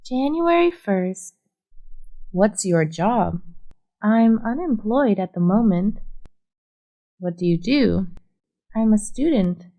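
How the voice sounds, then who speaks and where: A woman reading short English practice questions and answers as a scripted lesson, voicing both sides in a deliberate, even way. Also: medium pitch, dull audio.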